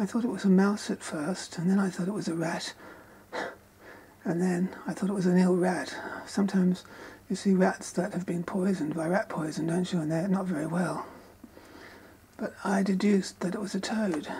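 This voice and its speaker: Quiet whispering with a gentle tone moves at a moderate pace, broken by long, frequent pauses. Light background noise sits underneath. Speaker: amateur wildlife filmer. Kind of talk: casual talk to camera, soft whispered narration to an animal. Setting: night in a shed, handheld recording. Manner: quiet, whispering, gentle. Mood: affectionate, playful. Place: garage. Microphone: phone near.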